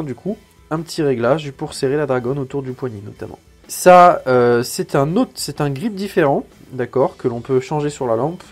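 Reviewing gear on his channel, a man unboxes a sponsored item in a medium-pitched, darkish voice. He's conversational and joking, explains each step, and often uses fillers.

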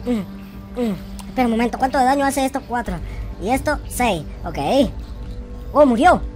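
A man's voice: very high-pitched, moderate pace. A man with a Latin American accent voicing a naive, easily panicked boy in a video game roleplay, dramatic, whiny and full of exclamations. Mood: frantic. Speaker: gaming YouTuber. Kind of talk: excitable gameplay roleplay commentary. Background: music.

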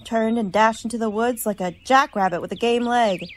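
A woman's voice: on the high side, moderate pace, slight background noise, lightly acted. A woman playing a sarcastic, complaining young college student in a radio play. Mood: sarcastic, grumbling. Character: grumbling, wisecracking young female college student.

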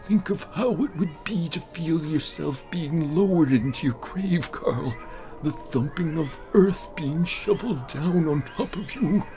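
A man voicing a morbid, scheming old gentleman in a dramatic, drawn-out horror story reading. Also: on the high side, poor audio. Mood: morbid raving. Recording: voice over background music.

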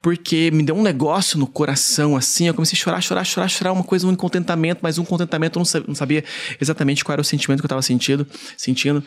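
A man from Brazil, a podcast guest, casually telling a personal story in an animated way, repeating words. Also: fairly high pitch, rapid-fire. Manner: animated, frequent fillers and self-repeats.

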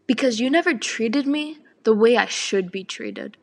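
Teen girl for spoken word, husky with a gravelly edge, slow and deliberate delivery. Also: fairly high pitch, expressive. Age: teens. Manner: slow and deliberate, partly whispered.

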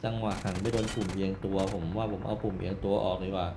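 A man giving loud, rowdy live commentary while playing a shooter game, swearing and yelling during fights. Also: low-pitched, level tone, quick pace. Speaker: gameplay streamer. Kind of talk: casual live gameplay commentary. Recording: echoey room with faint game noise. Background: gunfire from the game.

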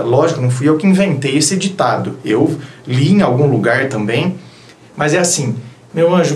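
A man's voice: fairly high pitch, echoey room. A man with a Brazilian Portuguese accent giving blunt, teasing relationship advice in a casual monologue. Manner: blunt, teasing, acts out quoted voices.

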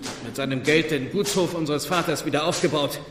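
An actor playing an earnest, self-righteous village reverend in a German radio play, with a solemn, formal and guarded delivery. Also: male voice, fairly high pitch, fairly quick, music in the background, natural voice. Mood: solemn, resentful. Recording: echoey stone church space, noisy background.

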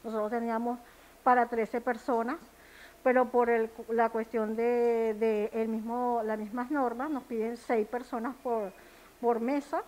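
A woman talks to a news reporter in a slightly high voice, stopping and restarting often. The sound is thin and phone-like. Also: flat delivery, measured pace, darkish tone. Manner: hesitant, many restarts. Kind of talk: news interview. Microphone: handheld reporter mic.

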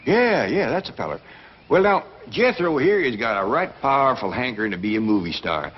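Brief: actor as a plainspoken hillbilly patriarch, middle-aged man, drawl, lilting and lively in pitch, dull old TV sound. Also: lightly acted. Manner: slow folksy drawl, polite and humble. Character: kindly, plainspoken backwoods patriarch, newly rich. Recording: dull 1960s TV audio, faint hiss.

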